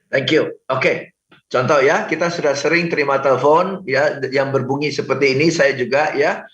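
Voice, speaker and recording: A man, a sales trainer, giving advice on a radio talk show, animated, laughing often, acting out phone calls and mixing in English phrases. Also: medium pitch, normal speed, roomy sound, lo-fi sound. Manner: mixes English phrases into speech.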